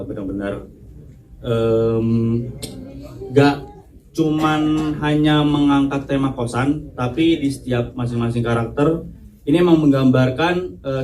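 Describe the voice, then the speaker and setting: A man's voice: mid-range voice, darkish tone, distant mic. A young man from Jakarta, an actor at a press conference, talking hesitantly with many fillers. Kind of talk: casual chat.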